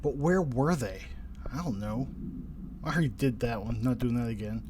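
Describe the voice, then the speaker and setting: A young man streams a game live in a mid-range, somewhat stuffy and sinusy voice at a moderate pace. He muses to himself and tosses wry asides to his chat over game music and background noise.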